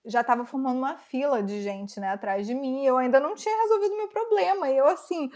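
A woman telling a story in casual chat, expressive and animated, acting out quotes. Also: sits high, fast. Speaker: podcast host telling a story.

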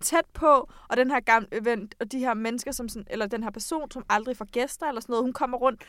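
Young woman, high pitched, lively storyteller, dry close sound. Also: no room sound. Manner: animated storytelling, acts out quotes. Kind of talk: casual chat.

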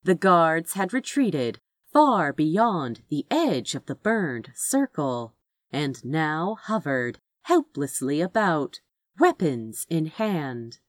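A woman narrates fiction in a slightly low voice. Her reading is measured and unhurried, with animated rises and falls, and the recording is dry. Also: dry recording. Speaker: audiobook narrator. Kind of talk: expressive scripted fiction narration.

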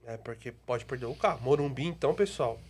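A man's voice: medium pitch, expressive, slight background noise. A man hosting a casual podcast, asking questions and talking to the audience in a chatty way. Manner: brisk, chatty, addresses audience. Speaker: podcast host.

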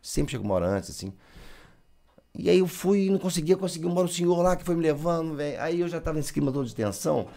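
A man's voice: fairly high pitch, animated, fast, gravelly, warm tone. A Brazilian man, telling a story in casual chat and acting out the lines he quotes.

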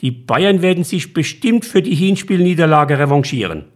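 A man's voice: on the high side, animated, normal speed, pitched above the performer's own voice, close to an everyday voice. A man reading a story aloud, voicing the narrator's grown-up son with a lifted, eager voice. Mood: cheerful. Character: young adult son, worried then cheerful.

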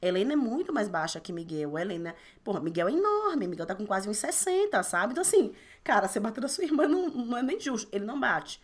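A woman's voice: mid-range voice, big pitch swings, fast talker, hardly any pauses. A woman, chatting casually. She tells stories expressively, laughs often and acts out what others said. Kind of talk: casual chat.

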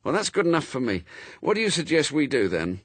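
Narrator playing an awkward, anxious young man, jumpy pitch, hesitant, audiobook figure. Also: sing-song, fast, a bit bright, no echo. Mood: nervous. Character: nervous, awkward young Englishman.

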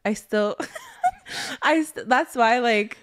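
A woman's voice: fairly high pitch, slow. A young woman co-hosting a podcast in casual chat, laughing often and rambling with fillers. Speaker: podcast co-host.

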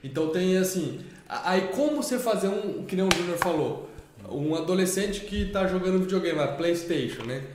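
A man's voice: high voice, expressive, normal speed, noisy background. A Brazilian man and father of six, explaining patiently in casual talk and checking in with tag questions. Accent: Brazilian Portuguese. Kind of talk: casual conversation. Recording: very echoey room.

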